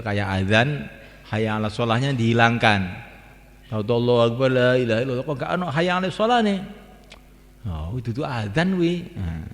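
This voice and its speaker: A man preaching to a gathering, repeating his points with emphasis and sometimes chanting lines from the call to prayer. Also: on the low side. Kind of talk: religious talk to a gathering. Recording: long reverb hall.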